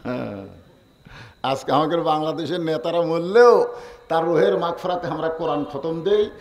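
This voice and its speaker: A man preaching a waz sermon. He moves between hushed storytelling and loud shouted exhortation, and he calls on the crowd to answer back. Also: on the high side, normal speed.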